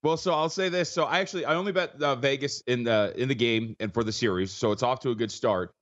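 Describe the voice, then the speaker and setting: A husky, tired-sounding man who talks at a rapid clip, piling stat after stat into his analysis. He stumbles and restarts as he goes. The line is dull and lo-fi, as if he is calling in remotely. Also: mid-range voice, a bit bright. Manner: fast, stat-heavy, with frequent restarts. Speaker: betting analyst guest. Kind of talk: rapid sports betting analysis.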